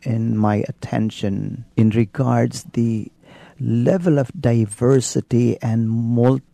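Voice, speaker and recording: A man with a Filipino accent, a Catholic priest telling his life story in an interview, unhurried and halting with many pauses and restarts. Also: mid-range voice, fairly even intonation, creaky, dark tone, dry recording. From Philippines. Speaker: Catholic priest, hospital spiritual care director.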